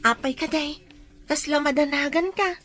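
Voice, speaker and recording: A woman's voice: high voice, moderate pace, a bit bright, faint music behind. A woman with a Filipino Ilocano accent acting a concerned older household helper in an audio drama.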